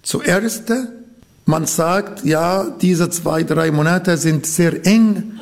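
Guy preaching, earnest, says things twice, kinda high voice. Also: drawn-out words, creaky. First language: Arabic. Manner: earnest, repeats key phrases, non-native grammar. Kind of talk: sermon.

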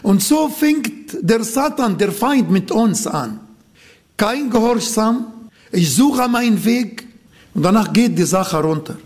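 High-voiced man preaching slowly. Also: animated, darkish tone. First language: Arabic. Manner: earnest, repeats key phrases, non-native grammar. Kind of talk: sermon.

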